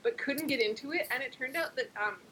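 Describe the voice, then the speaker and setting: A woman's voice: high-pitched, fast, bright, forceful tone, a little hiss or hum, poor audio. A young woman from New Jersey co-hosting a podcast, rambling casually with lots of fillers. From New Jersey, USA. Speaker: podcast co-host. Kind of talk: casual chat.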